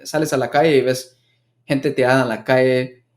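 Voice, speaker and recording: A young American man whose first language is English chats casually as a guest in a steady, mid-range voice. He talks in quick bursts, restarting often.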